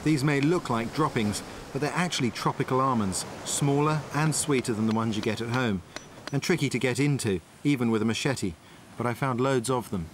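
A man presenting a survival documentary outdoors on a tropical island. He calmly explains and demonstrates each step. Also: medium pitch, a little fast, background noise. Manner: calm, explanatory, tells and shows step by step. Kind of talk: documentary narration and on-location demonstration.

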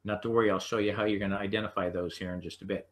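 A man with an American accent lecturing unscripted as a technical instructor, explaining step by step in halting phrases. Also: fairly low pitch, steady tone. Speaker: HVAC instructor.

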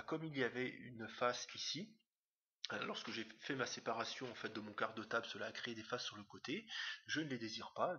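A man teaching a screen-recorded software tutorial, talking fast and hesitantly with many fillers. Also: fairly low pitch. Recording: dull lo-fi mic with faint hiss.

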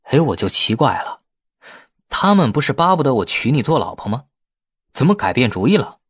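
A man's voice: mid-range voice, sing-song, a little fast, breathy edge, no echo, studio quality. A man voicing a cocky, teasing young businessman in an audiobook, glib and mock-innocent.

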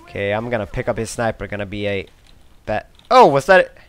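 A young man from Sweden giving live gameplay commentary, excitable and swearing often, with sudden outbursts. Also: fairly low pitch, brisk, clear, resonant tone.

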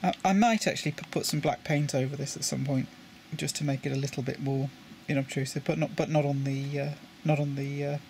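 British guy showing off his model train lights, stop-start chatty, mid pitch, bit of faint hiss behind. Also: steady tone, gravelly, a little mellow. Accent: British English. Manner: halting, repeats words while handling parts. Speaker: model railway hobbyist. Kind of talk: casual hands-on tutorial. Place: indoors at a table with a model railway.

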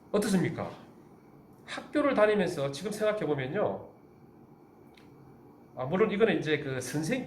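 A man's voice: sits high, roomy sound, slight background noise. A man in his fifties, a teacher, giving a lecture to other teachers and often asking the audience rhetorical questions. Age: 50s.

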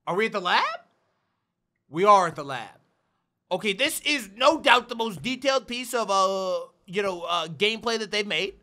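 A man's voice: high voice, lively intonation, moderate pace, bright, forceful tone. A man in his thirties giving foul-mouthed, exclamatory, slangy comic commentary while playing a video game. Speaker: gaming streamer. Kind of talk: comic let's play commentary.

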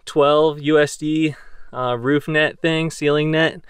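A man's voice: fairly high pitch, steady tone, takes it slowly, clean tone, dry recording, studio quality. A young man from the northwestern United States casually walks through his car camping setup, rambling with many fillers, filmed outdoors on a handheld camera at arm's length. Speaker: vlogger. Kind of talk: casual gear walkthrough. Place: outdoors by an open car in a burned forest.

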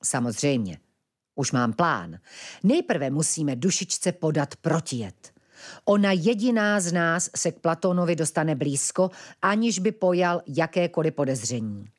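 A woman voicing a wise old male ferret who lives in hiding, speaking low and deliberately. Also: lively intonation. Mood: calm.

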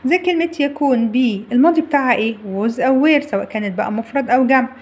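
A young adult woman with an Egyptian Arabic accent teaching an online English grammar lesson, explaining step by step and repeating key words slowly. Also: sits high.

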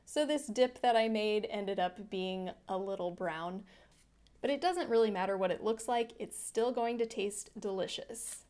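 A woman's voice: mid-range voice, unhurried, a little mellow. A woman hosting a home cooking channel, narrating her meals in a friendly, chatty voice-over that explains each step. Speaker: vegan cooking channel host.

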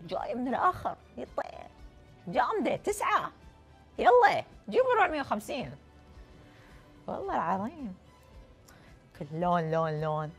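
Animated, high-voiced Iraqi woman game host. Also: slightly rough. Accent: Iraqi Arabic. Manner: playful, effusive, repeating phrases in welcome and banter. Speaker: TV call-in game show host. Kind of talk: lively game show presenting. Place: TV studio. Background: music.

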